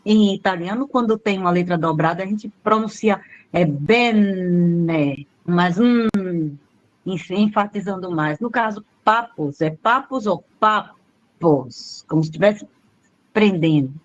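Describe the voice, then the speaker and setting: A woman's voice: medium pitch, normal speed, no echo. Woman student asking, lo-fi sound. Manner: searching, thinking aloud. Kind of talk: asking a question in class.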